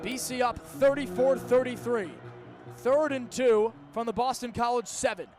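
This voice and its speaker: A man's voice: very high-pitched, fairly even intonation, moderate pace, music in the background. A young American man calling live football play-by-play in an emphatic, dramatic way. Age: young adult. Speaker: sports play-by-play announcer. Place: stadium football broadcast.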